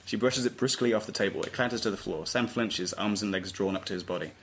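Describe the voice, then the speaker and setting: Low-voiced man narrating a script. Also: fast, a bit bright. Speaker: narrator reading stage directions. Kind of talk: scripted narration at a table read. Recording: noisy informal room recording.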